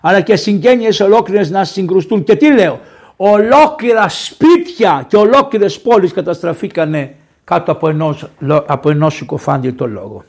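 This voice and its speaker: A man from Greece, a priest giving a sermon in a lively, conversational way, often raising his voice for emphasis. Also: high-pitched. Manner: lively, conversational preaching with sudden raised emphasis.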